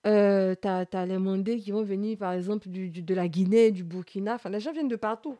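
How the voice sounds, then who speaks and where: A woman from Côte d'Ivoire, hosting a podcast in casual, animated conversation. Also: mid-range voice, brisk. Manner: animated, laughs while telling stories. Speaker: podcast host. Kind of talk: casual chat.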